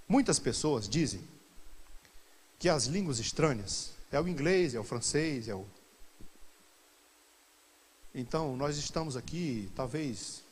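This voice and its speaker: A pastor leading a Bible study sermon to a congregation, swinging from quiet asides to loud, animated exclamations. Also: male voice, mid-range voice, husky, big-room sound, rough recording.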